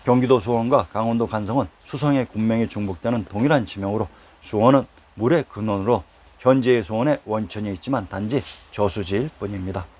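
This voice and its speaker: A man narrating a history lesson in a scripted, formal style, reading out lists of place names at a steady pace. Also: on the low side.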